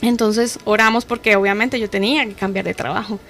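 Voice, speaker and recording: A woman's voice: medium pitch, steady tone, a little fast, fairly bright tone. A woman with a Colombian accent telling her personal testimony as a guest on a radio programme.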